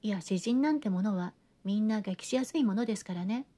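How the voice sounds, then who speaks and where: A woman's voice: medium pitch, brisk, dark tone, lightly acted. A woman voicing a suave, politely mocking young man. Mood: ironic. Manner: smooth, courteous, ironic. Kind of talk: audiobook reading of a classic novel.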